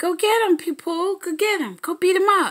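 A woman's extremely high-pitched, animated voice at a moderate pace, with ordinary pitch variation and a quiet background. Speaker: pet owner. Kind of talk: casual playful talk to her pet. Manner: animated, high-pitched baby-talk, excitable. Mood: amused, playful. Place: home room. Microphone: phone near.

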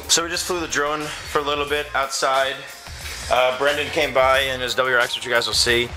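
Clear music plays in the background. Over it, a man speaks with fairly even intonation. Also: moderate pace. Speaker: vlogger. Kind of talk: casual vlog chat. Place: home room. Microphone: phone near.

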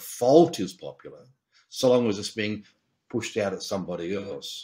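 A man with an Australian accent talks at a moderate pace with lively intonation. His voice is somewhat breathy, and the background is quiet. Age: 70s. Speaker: leadership consultant and trainer; trainer. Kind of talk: interview. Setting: video call. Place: home room.

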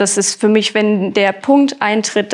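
A woman speaks fairly slowly, and the background is quiet. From Germany, Hagen (Ruhr area); Germany. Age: 20s. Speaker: recovering alcoholic, office clerk; interviewee. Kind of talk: interview testimony. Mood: reflective, candid, calm. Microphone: lapel.

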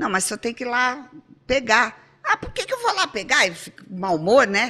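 Very wide pitch swings from a woman with a bright, sharp tone, over a quiet background. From Brazil. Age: 60s. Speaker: artist; podcast guest. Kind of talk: casual chat. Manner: halting. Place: studio. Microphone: studio mic.

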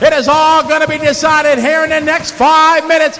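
This man speaks with an extremely high pitch. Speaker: race commentator. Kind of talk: sports commentary. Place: hall.

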